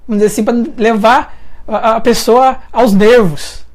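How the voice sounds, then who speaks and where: A Brazilian woman with a Brazilian Portuguese accent and a fairly high voice, hosting a relaxed live chat. She talks informally straight to her viewers, pausing often and restarting sentences as she thinks aloud. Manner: chatty, thinks aloud with frequent hesitations and restarts; addresses viewers directly, friendly and informal. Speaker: live-stream host reading viewer questions.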